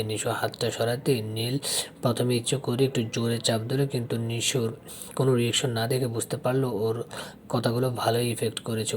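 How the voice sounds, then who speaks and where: A man reading a romantic story aloud in scripted narration, with a steady, even delivery. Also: medium pitch, slight background noise.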